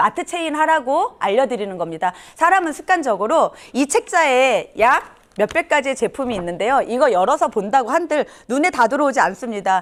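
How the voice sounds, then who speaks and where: Her pitch is high and swings very widely as this woman talks at a fairly quick pace. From South Korea, Bucheon. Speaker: network marketing seminar speaker. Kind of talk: business presentation. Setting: seminar hall with audience. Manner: fast; animated.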